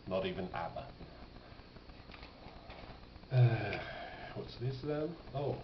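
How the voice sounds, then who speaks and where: A man talks slowly and informally, as if thinking aloud while showing off a collection. He often puts questions to himself as he goes. The sound is dull and lo-fi, with a clearly echoing room around him. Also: lowish voice, lively intonation. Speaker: record collector presenting finds. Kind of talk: casual off-the-cuff show-and-tell commentary. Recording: dull lo-fi, noisy, roomy sound.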